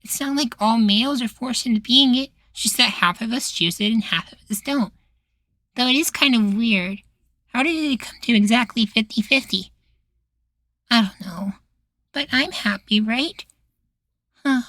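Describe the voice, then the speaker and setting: A man voicing a cheerful, naive young boywife in an intimate ASMR roleplay, soft, doting and chatty. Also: very high voice, normal speed, pauses often, no echo, heavily acted. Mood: musing.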